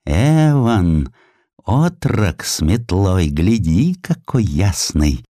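A man voicing a ragged male holy fool who prophesies in a pointed, drawn-out way, in an audiobook story. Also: low-pitched, sing-song, warm tone, no echo, studio quality, exaggerated voice. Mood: ominous prophesying.

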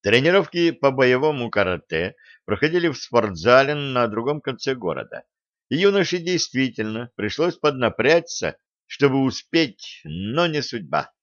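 A man giving scripted audiobook narration in an even storytelling manner. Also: mid-range voice, no echo, muffled recording.

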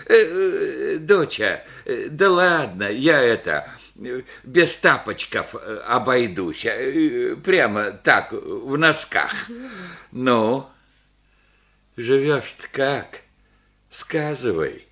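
A man's voice: mid-range voice, very animated, sharp tone, full character voice. An actor playing a humble, devout old village father in a radio drama, speaking hesitantly with folksy speech. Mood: humble, meandering. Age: older. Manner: hesitant, folksy rustic speech with halting fillers. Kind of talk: naturalistic stage-style radio drama acting.

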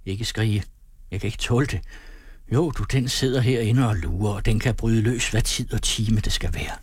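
A man's voice: on the low side, husky, dry recording, studio quality. A man reading the part of a sick, frightened young man who pleads with his mother. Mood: pleading.

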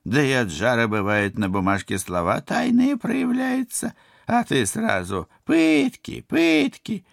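A man's voice: medium pitch, huge pitch swings, measured pace, gravelly, no room sound, clean studio sound, voice pushed up, heavily acted. A man voicing a shrewd, motherly old village crone who talks in a folksy, wheedling way. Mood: protesting.

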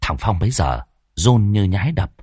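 Husky man narrating a dramatic horror story. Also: fairly low pitch, sing-song, moderate pace, darkish tone, no room sound, clean studio sound.

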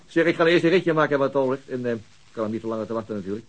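An actor playing a dryly ironic homicide detective in a radio play. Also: male voice, mid-range voice, a little fast, close to an everyday voice. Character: dry, weary male homicide detective.

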